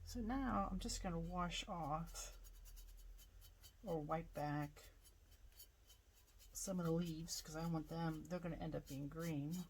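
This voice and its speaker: A woman pottery artist talks through her work in a casual demonstration, relaxed and chatty, often pausing to think aloud. Her voice sits fairly low. A faint hiss of noise runs under her voice in the studio. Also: low-quality recording.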